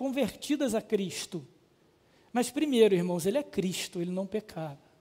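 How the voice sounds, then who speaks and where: This man's intonation is lively. He talks at a moderate pace. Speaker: pastor. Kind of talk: sermon. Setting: church.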